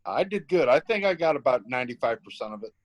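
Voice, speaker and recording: A man's voice: medium pitch, sing-song, fast, slight background noise. A man chatting casually and enthusiastically, as a newcomer to a hobby does. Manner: eager, enthusiastic. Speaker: newly tested amateur radio hobbyist. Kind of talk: casual chat.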